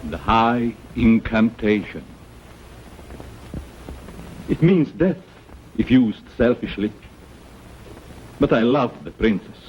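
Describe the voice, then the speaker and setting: An actor playing an earnest, reverent magician hero in 1930s serial melodrama. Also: male voice, mid-range voice, animated, slow, long pauses. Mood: troubled. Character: earnest male magician hero, devoted pupil. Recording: dull, very noisy old film soundtrack.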